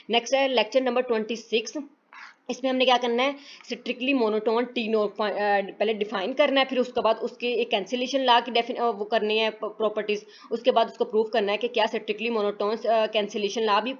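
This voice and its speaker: A woman tutor explaining math proofs in a recorded lecture, halting with fillers and self-corrections, mixing in English terms. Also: on the high side, muffled recording.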